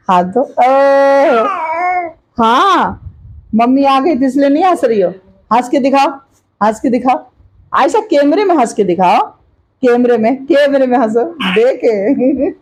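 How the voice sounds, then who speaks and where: An older woman with a fairly high voice talks slowly at home, coaxing a baby in a repetitive, sing-song way. She speaks into a clip-on mic held in her hand, drawing out her words gently. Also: rough recording. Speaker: vlogger grandmother. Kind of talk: home family vlog.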